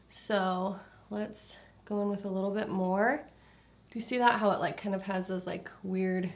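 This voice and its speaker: A young woman reviewing a foundation in a casual vlog, congested and a little nasal, chatty with lots of fillers. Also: medium pitch. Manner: chatty, filler-heavy, trailing into quiet asides. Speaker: beauty vlogger. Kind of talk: casual product review and makeup demo.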